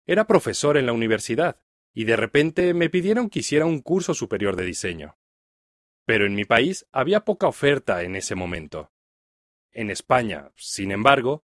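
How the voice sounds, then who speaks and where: A Mexican man with a Mexican accent reads a scripted first-person account for learners. His pitch sits mid-range but rises and falls a lot, and his delivery stays clear and measured. The sound is dry and close, as from a studio mic. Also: no room sound. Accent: Mexican Spanish. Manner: clear, even read-aloud delivery. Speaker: reader of a listening text.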